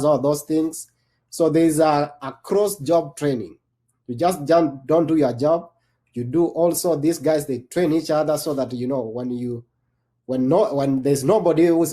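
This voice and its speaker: Panel guest, Kenyan-born male veteran; dark tone, loose delivery full of restarts. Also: on the high side. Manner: rambling, many restarts and fillers. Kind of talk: panel discussion.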